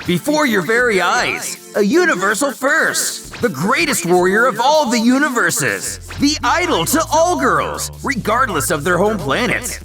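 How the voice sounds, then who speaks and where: Man acting a bombastic, high-pitched boastful warrior. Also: huge pitch swings, a little slow, few pauses, over music, full character voice. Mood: grandiose boasting. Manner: bombastic, grandiose declaiming. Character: boastful, over-the-top young male fused alien warrior.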